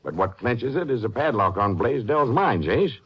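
An actor playing a plainspoken, insistent American sheriff in a western radio drama, with a folksy, emphatic delivery. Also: male voice, mid-range voice, very animated, moderate pace, breathy edge. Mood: insistent, arguing. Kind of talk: 1950s western radio acting. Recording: dull, band-limited 1950s radio recording.

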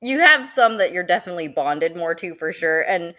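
A woman zoo educator talks in a relaxed interview, her voice a little lower than most. She is animated, slips into quick excited quoted asides and laughs often. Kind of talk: casual interview chat.

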